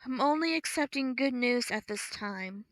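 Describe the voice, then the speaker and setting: A woman voicing a calm blind young woman with a dry, deadpan wit. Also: on the high side, normal speed, no echo.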